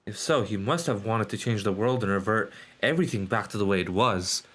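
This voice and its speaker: A man's voice: lowish voice, fairly quick, fairly bright tone. Rambling man streaming a video game. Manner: sweary, rambling. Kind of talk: casual live game commentary, reading dialogue aloud.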